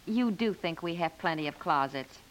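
An actress playing an anxious, fussing housewife in a 1950s radio domestic comedy, speaking in a hesitant, doubtful way. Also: female voice, fairly low pitch, expressive, normal speed, lightly acted, rough recording. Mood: doubtful, worried.

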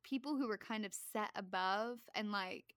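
A woman's voice: medium pitch, normal speed, fairly bright tone, no room sound, clean studio sound. A woman co-hosting a Bible study podcast, chatting casually and laughing easily. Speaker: podcast co-host.

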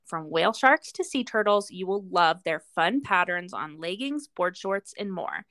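A woman's voice: fairly low pitch, lively intonation, moderate pace, fairly bright tone, no echo. A woman co-hosting a podcast, speaking in an informal, chatty way. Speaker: podcast co-host. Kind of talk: casual chat and read sponsor spots.

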